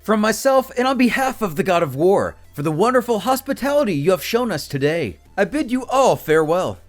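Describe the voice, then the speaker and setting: A courtly male attendant, acted out by a man, speaks in flowery, formal phrases. His pitch sits high and swings theatrically, with melodramatic politeness. Music runs underneath the storybook-style performance. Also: very animated, a little fast. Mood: gracious. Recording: music behind the voice.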